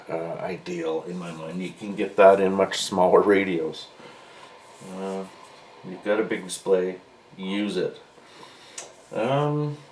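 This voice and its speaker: A man giving a casual, unscripted product review as a hobbyist, halting and mildly grumbling, pausing mid-sentence. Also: low-pitched, darkish tone. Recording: faint background room noise.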